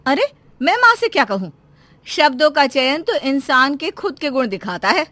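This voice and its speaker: A woman's voice: high-pitched, very animated, moderate pace, bright, forceful tone, dry recording, exaggerated voice. A woman voicing a young wife caught between her husband and her mother in a cartoon story, earnest and pleading.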